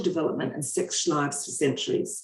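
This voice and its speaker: A woman with a strong Australian accent, somewhat breathy, at a moderate pace. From Australia, Hawkesbury area near Sydney. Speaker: artist or researcher presenting at webinar. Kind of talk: prepared talk, reading aloud. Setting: online webinar. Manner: halting, with stumbles over words.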